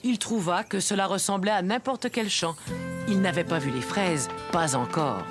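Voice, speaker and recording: A woman playing a gentle storyteller, narrating a children's cartoon in a scripted storybook style. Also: lowish voice, normal speed, close to an everyday voice. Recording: music behind.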